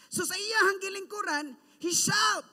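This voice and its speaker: Male pastor from the Philippines; bright, forceful high voice, animated storytelling sermon in a church. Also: moderate pace. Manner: animated, acts out the story, code-switches. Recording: long church hall reverb.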